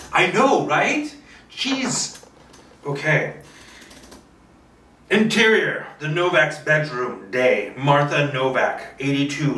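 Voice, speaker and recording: In a bright, forceful, slightly high voice, a filmmaker reading a script alone thinks out loud, rambling casually, boasting playfully, and throwing in some swearing as he talks to himself. The sound comes from a distant mic in an echoey room.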